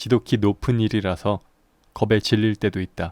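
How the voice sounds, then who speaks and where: A man talks at a moderate pace in a plain, everyday voice, with fairly even intonation. The recording is very clean, with a silent background. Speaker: audiobook narrator. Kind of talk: audiobook reading for sleep. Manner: soft-spoken, calm.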